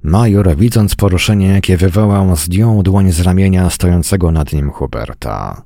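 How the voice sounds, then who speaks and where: A man narrating an audiobook in a measured storytelling manner. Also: deep voice, expressive, gravelly, warm tone, no echo, studio quality. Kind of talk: scripted narration.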